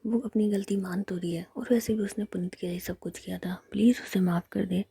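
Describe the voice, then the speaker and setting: A gentle young woman friend whispered by a female storyteller pleads softly in a low hush. The voice is husky and dark, dry and close. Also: fairly even intonation, brisk, dry recording. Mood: pleading.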